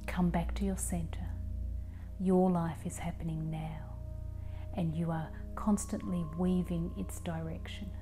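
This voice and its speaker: A woman in her forties leading a guided meditation in a calm, soothing, soft voice that gets breathy at phrase ends. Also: lowish voice, a little slow. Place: small living room, indoors. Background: soft music.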